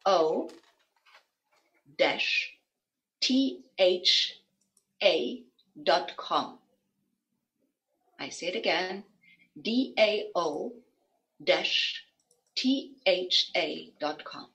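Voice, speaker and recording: Casual one: german-accented lady teaching on a video call, deep voice, spells stuff out slow. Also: animated, a bit bright, poor audio. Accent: German with some American. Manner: slow, careful, spells things out. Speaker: energy-work teacher. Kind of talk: guiding an online session.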